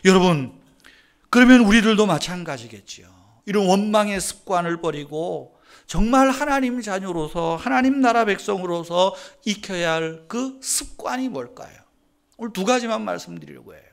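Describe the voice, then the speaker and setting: A male pastor preaching a sermon, chatting with the congregation through questions and swinging from loud proclaiming to hushed whispers. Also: sits high, lively intonation, normal speed, gravelly. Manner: conversational, asks the congregation questions.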